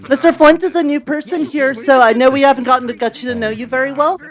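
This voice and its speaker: A woman with a high voice improvises in character in a virtual world roleplay. She is chirpy and effusive, talking like an eager, encouraging leader of a group. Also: fast. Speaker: content creator, roleplayer.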